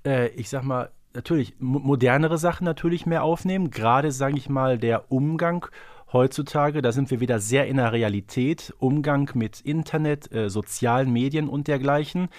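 A man's voice: mid-range voice, normal speed, a little mellow, no room sound, studio quality. A man co-hosting a podcast in casual conversation, often tagging his remarks with little questions. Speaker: podcast co-host.

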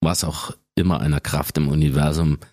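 A man in his forties with an extremely deep bass voice, telling stories casually as the guest in an interview. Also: fairly even intonation, brisk, a little mellow, no room sound. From Germany.

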